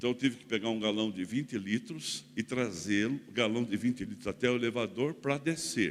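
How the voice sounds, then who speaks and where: A normal speaking voice with ordinary pitch variation, delivered at a moderate pace. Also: man. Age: 60s. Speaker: pastor. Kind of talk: sermon. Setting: church.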